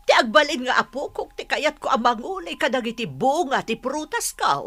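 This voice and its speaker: A woman voicing a stern older mother in an audio drama, sharp when scolding and fond with her children. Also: sits high, sing-song, normal speed, voice pushed up, full character voice.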